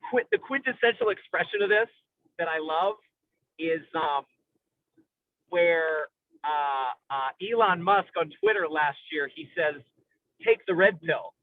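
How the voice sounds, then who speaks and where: A man in an analytical, conversational film discussion, speaking in an intellectual, halting way with academic vocabulary as he searches for words. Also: on the high side, expressive, dry recording. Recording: tinny phone-like radio-style sound.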